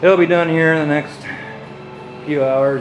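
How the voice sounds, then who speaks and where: Clear music plays in the background. Over it, a man talks at a fairly quick pace with fairly even intonation. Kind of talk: casual vlog chat. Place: garage. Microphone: phone near.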